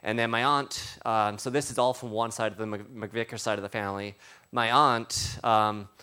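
A man preaching informally through personal testimony, with a halting, conversational delivery. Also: lowish voice, steady tone, bright, forceful tone, smooth.

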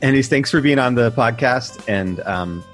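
A man's voice: medium pitch, moderate pace. A man hosting an interview podcast, asking open questions in a friendly, encouraging way. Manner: friendly, encouraging, with short backchannel responses. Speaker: podcast host. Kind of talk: conversational interview. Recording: guitar music faintly behind.

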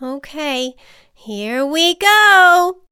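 A woman's voice: big pitch swings, slow, fairly bright tone, clean tone, no room sound, studio quality, full character voice. A woman doing a prim, timid female butterfly. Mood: fretful. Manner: defensive, fussy, high-strung.

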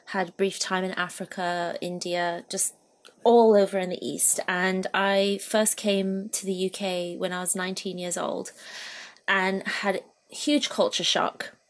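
A woman's voice: mid-range voice, little pitch movement, unhurried. A woman who grew up in Thailand, talking at length as a guest artist in a casual video-call interview. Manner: rambling, self-described waffler.

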